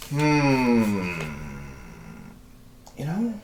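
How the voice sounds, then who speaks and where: Speaking extremely slowly in a sing-song, medium-pitched voice, a man in his fifties chats with viewers while drawing live, meandering through replies with many fillers. The recording sounds roomy and carries background noise.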